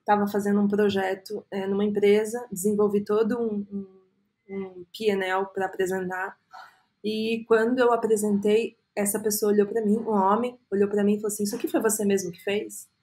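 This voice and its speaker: A woman's voice: mid-range voice, little pitch movement, brisk, mellow. Earnest Brazilian woman telling her story. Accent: Brazilian Portuguese. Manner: earnest, storytelling, frequent "é" fillers. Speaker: guest, agency co-founder. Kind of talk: reflective podcast interview.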